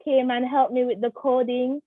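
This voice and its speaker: A high-voiced woman gives grateful, hesitant feedback. Her audio is thin and phone-like, with a dry sound and no room. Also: little pitch movement, moderate pace, no echo. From Jamaica. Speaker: hackathon participant. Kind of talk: casual spoken feedback. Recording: tinny phone-like call audio.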